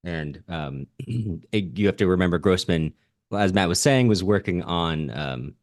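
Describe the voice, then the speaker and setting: Low-voiced man explaining informally. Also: no echo, clean studio sound. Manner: informal explaining, hesitant phrasing. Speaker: podcast co-host. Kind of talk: casual literary discussion podcast.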